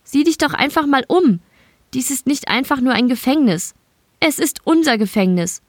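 A woman's voice: high-pitched, animated, moderate pace, no room sound, pitched above the performer's own voice. A bitter, beaten young woman guard speaks in a raised, reproachful voice, pointed and accusing, as a woman narrator puts her on. The audiobook sound is dry and close. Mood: urgent.

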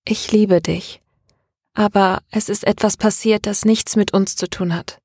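A woman's voice: mid-range voice, fairly even intonation, a little slow, darkish tone, slightly rough, no room sound, clean studio sound. A woman reading the part of a troubled, tense young woman who talks in an earnest, hesitant way. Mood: pleading.

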